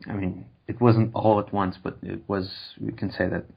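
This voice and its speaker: A man's voice: on the low side, flat delivery, normal speed, creaky, husky, lo-fi sound. A man in casual conversation as a guest, speaking hesitantly and searching for his words. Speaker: interview guest.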